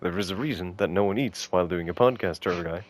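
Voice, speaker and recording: Man, podcast co-host, casual chat, teasing, exasperated, lower pitch. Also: quick pace, no echo. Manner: jokey, teasing, exasperated rants.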